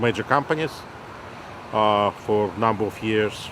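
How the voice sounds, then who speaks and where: With a Russian accent, a man speaks in a fairly even intonation. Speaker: businessman interviewee. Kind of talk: interview. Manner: halting, many fillers.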